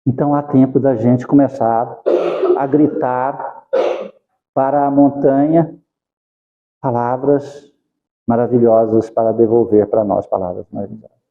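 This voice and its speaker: A man's voice: mid-range voice, steady tone, a little slow, long pauses. A man giving a religious lecture, preachy and asking the audience questions. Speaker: spiritist lecturer. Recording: dull lo-fi recording.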